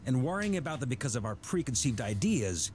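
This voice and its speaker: An actor playing a jovial, roguish middle-aged knight grandmaster in a video game, hearty and conversational like a theatrical storyteller. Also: male voice, mid-range voice, big pitch swings, brisk, darkish tone, breathy edge. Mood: thoughtful. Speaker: game character giving voice lines. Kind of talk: scripted video game voice acting.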